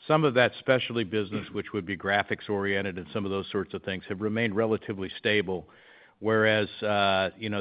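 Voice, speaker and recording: A man speaking as a company executive, answering analysts on an earnings call in a measured, upbeat corporate way. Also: fairly low pitch. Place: conference call. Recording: dull, band-limited conference call audio.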